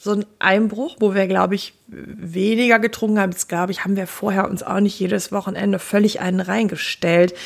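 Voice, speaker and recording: At a medium pitch and moderate pace, a woman speaks in a normal speaking voice with fairly even intonation. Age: 30s. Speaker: social worker. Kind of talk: casual chat.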